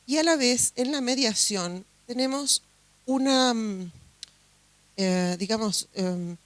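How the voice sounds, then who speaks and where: A woman's voice: a little high, slow, dry recording. A woman from Uruguay with a Uruguayan Spanish accent, a judge giving a chatty conference talk full of fillers and restarts. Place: conference hall.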